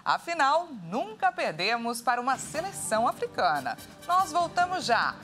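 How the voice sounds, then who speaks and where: A woman's voice: sits high, very animated, normal speed, over music. A Brazilian woman, around her thirties, presenting live television news as an anchor. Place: TV studio with large windows. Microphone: lapel.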